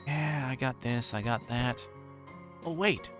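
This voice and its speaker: A man's voice: medium pitch, takes it slowly, music in the background, voice pushed up, lightly acted. A man voicing a carefree, chirpy young woman from a visual novel, chattering to herself in a lilting manner. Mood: cheerful.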